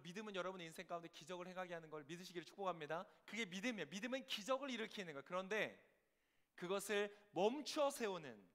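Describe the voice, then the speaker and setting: High-voiced male pastor preaching in a reverberant hall. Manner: rhetorical questions, sudden swings between soft and loud. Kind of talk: sermon.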